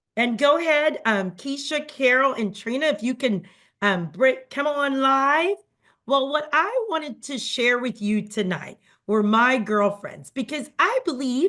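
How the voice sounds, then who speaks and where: An animated voice with lively intonation moves at a fairly slow pace on a very clean recording with a silent background. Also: woman. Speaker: direct-sales leader, speaker. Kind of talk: sales pitch.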